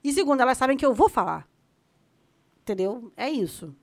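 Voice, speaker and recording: A woman in her thirties with a Brazilian Portuguese accent, co-hosting a podcast in animated casual chat and swearing freely. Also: sits high, a little fast. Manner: animated, swearing, frequent laughter. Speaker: podcast co-host.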